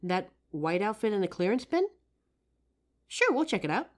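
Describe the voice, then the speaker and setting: A woman playing a kind, playful psychic who gently helps a ghost in an audio roleplay. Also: mid-range voice, big pitch swings, moderate pace, natural voice. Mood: helpful, chatty. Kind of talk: audio roleplay addressed to the listener.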